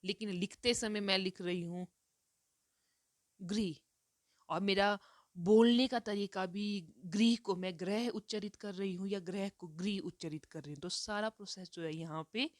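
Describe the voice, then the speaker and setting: A woman's voice: mid-range voice, moderate pace, no echo, clean studio sound. A woman teacher lecturing on reading skills, explaining step by step and asking herself rhetorical questions as she goes. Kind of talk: Hindi lecture mixed with English terms.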